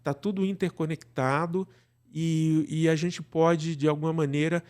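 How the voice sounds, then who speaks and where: A middle-aged Brazilian man with a fairly high voice talks as a podcast guest. He rambles in a casual, conversational way and often tags his thoughts with small check-in questions. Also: fairly even intonation, unhurried, darkish tone.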